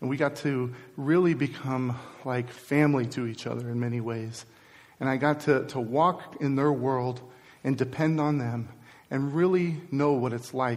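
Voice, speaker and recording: At medium pitch, a man speaks in a plain, everyday voice. His pace is moderate and his intonation fairly even. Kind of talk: lecture. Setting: stage with audience.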